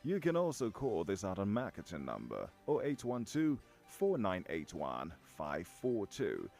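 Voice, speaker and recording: A man's voice: lowish voice, huge pitch swings, a little slow, creaky, a little mellow, soft background music. A man with a Nigerian accent reading headlines and presenting on the radio as a host. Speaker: newsreader and radio show host. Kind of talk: scripted radio news bulletin and presenting.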